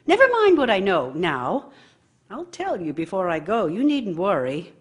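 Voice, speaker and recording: A woman's voice: mid-range voice, huge pitch swings, unhurried. An actress playing a bitter, nagging wife in a radio drama, scolding her idle husband with theatrical sarcasm and scorn. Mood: cold, scornful. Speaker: actor in a radio play.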